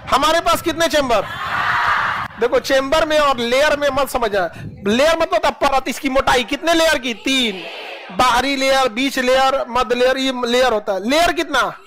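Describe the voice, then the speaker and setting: A man teaching a class, firing questions and answering them himself in a lower aside, with rustic colloquial jokes. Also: background noise. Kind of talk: classroom lecture with call-and-response.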